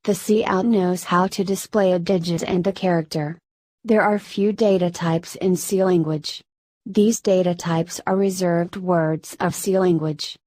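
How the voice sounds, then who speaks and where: Woman tutor, low-pitched and mellow, flat machine-like read, dry booth sound. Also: dry recording. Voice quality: flat, synthetic-sounding delivery. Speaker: programming tutor. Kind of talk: scripted tutorial narration.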